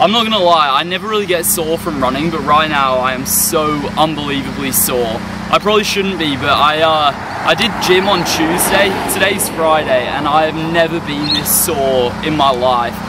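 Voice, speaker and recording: Loud background noise sits behind a man speaking at a moderate pace. The sound is dry with no echo, and his pitch varies in an ordinary way. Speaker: runner vlogger. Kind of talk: casual vlog chat. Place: street.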